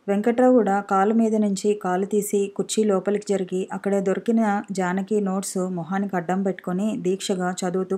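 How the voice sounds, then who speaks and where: A woman narrating an audiobook story in an expressive storytelling manner. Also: mid-range voice.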